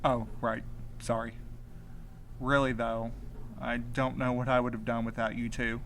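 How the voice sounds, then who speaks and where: A man's voice: mid-range voice, level tone, measured pace, a bit bright. A man acting in an audio drama podcast as a desperate, determined husband searching for his missing partner, earnest and hesitant in delivery. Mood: pleading, earnest. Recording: clear background noise, ambient sound bed.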